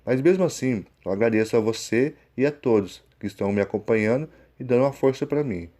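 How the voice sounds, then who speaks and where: A man's voice: mid-range voice, expressive, fast talker, mellow. A Brazilian man with a plain, unpolished delivery, speaking as a channel host and story narrator. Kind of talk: scripted narration. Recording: music behind the voice. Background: prominent music.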